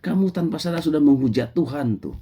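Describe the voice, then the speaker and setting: A man's voice: a little high, animated, brisk, warm tone, slightly rough, voice pushed up. A man voicing an arrogant, irritated male prophet who scolds harshly. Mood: scornful. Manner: harsh and scornful.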